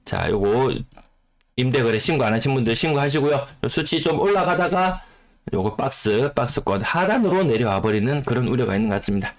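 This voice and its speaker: A man whose voice is rough from a cold, explaining housing market figures and repeating key phrases for emphasis. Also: mid-range voice, expressive, fairly quick. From South Korea. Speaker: real estate YouTuber. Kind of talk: data commentary on the housing market.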